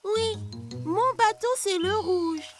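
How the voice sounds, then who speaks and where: A woman's voice: very high-pitched, slow pace, over loud music. A woman voicing a friendly preschool girl in a dubbed children's cartoon. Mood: friendly, matter-of-fact.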